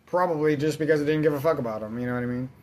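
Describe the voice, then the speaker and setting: A man's voice: on the high side, racing, darkish tone. A man ranting in casual let's-play commentary, rambling and swearing constantly as he vents. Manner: rambling, profane, venting. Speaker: gaming channel host.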